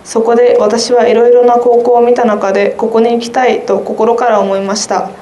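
Teenage girl, mellow high-ish voice, earnest reading, roomy echo, faint background noise. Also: level tone, moderate pace. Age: teens. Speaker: student guest. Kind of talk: reading a personal essay aloud.

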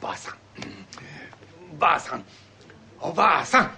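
A man's voice: fairly high pitch, lively intonation, moderate pace, creaky, pushed and bright, in a whisper, full character voice. A man voicing a fond, sake-loving old merchant father who coaxes and stammers, in a rakugo story. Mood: wheedling, flustered. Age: older. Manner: coaxing, stammering, whiny pleading.

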